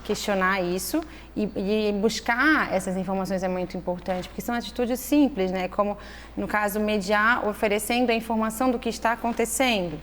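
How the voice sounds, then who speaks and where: A woman in casual conversation, explaining parenting ideas in a thoughtful, measured way, often checking in with "né". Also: mid-range voice. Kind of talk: conversational interview. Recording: echoey room with faint noise.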